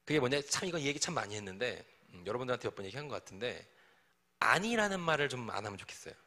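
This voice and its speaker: A man's voice: medium pitch, big pitch swings, rapid-fire, pushed and bright. A middle-aged man preaching to young adults in a conversational, teasing way, acting out bits of everyday dialogue. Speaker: pastor.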